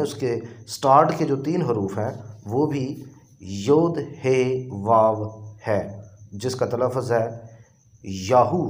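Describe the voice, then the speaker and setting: A man with an Urdu accent, teaching a Bible lesson in a slow, deliberate, explaining way. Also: mid-range voice. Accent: Pakistani Urdu. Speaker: preacher.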